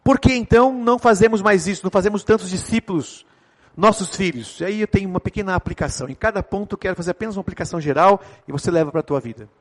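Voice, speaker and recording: A middle-aged man from Brazil with a Brazilian Portuguese accent, preaching a sermon with joking, animated storytelling. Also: sits high, rapid-fire. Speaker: pastor.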